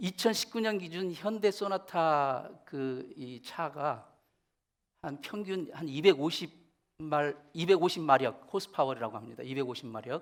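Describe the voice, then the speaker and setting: A man with a fairly high pitch, lively intonation, big swings in loudness and a very slow pace. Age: 60s. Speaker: pastor. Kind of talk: sermon.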